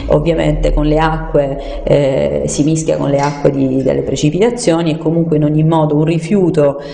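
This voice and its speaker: Low, creaky-voiced woman in echoey room. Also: fairly even intonation, moderate pace, warm tone. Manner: explanatory, hesitant, searching for words. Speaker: studio guest explaining environmental issues. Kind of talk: unscripted radio discussion. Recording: echoey room with long reverb.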